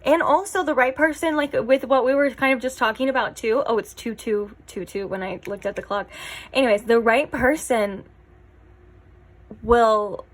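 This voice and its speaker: A woman's voice: a little high, normal speed. A young woman giving a casual tarot reading, rambling and chatty with lots of fillers. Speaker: tarot reader.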